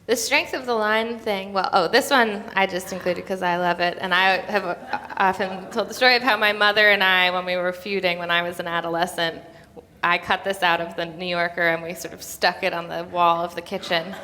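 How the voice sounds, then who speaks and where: A woman's voice: lowish voice, fairly even intonation, brisk, sharp tone. A woman interviewing on stage in a casual, chatty and informal way. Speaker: interviewer presenting cartoons. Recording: echoey hall with long reverb.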